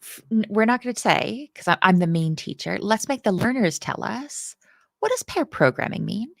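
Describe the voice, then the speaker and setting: A woman's voice: mid-range voice, animated, normal speed, vocal fry, no echo. A woman from the UK, teaching a casual coding lesson in a playful, chatty, self-deprecating way.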